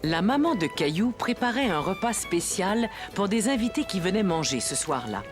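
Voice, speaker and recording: A woman narrating a preschool cartoon like a kindly storyteller, in a gentle, measured storybook manner. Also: mid-range voice, very animated, lightly acted. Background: music.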